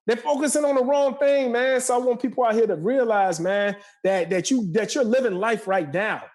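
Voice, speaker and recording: A man's voice: very high-pitched, normal speed, a little mellow. A man in his forties giving a motivational talk as a podcast guest, emphatic and preacherly, repeating phrases for effect.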